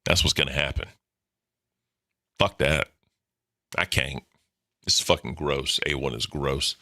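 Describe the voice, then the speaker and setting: A deep-voiced man in his thirties hosting a livestream, talking casually in a blunt, profane, rambling way. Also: steady tone, takes it slowly, bright, forceful tone. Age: 30s. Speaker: livestream host. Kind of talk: casual chat.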